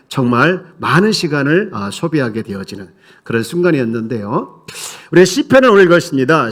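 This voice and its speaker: A male pastor preaching a sermon in a church sanctuary in a conversational way, leading the congregation in reading aloud together. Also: a little high.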